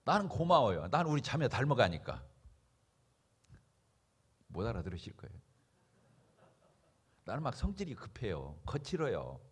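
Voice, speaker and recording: A man's voice: medium pitch, huge pitch swings, moderate pace, pauses often, husky. A man preaching a sermon as pastor, emphatic and full of rhetorical questions to the congregation.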